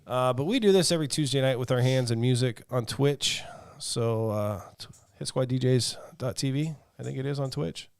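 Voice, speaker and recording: A man with a smooth, clean voice hosts a DJ podcast in easy, rambling chat, warmly teasing and throwing out "buddy" and "dude." The sound is close and dry, with no room around it. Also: mid-range voice, normal speed, no echo. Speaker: DJ and podcast co-host. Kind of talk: casual chat.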